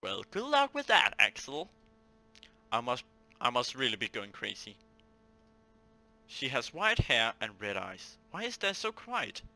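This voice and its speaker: Bright-voiced man doing a game let's play. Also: mid-range voice, a little slow, creaky, pauses often, rough recording. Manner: animated, jokey asides to the game's characters. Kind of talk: reading a visual novel aloud with excited commentary.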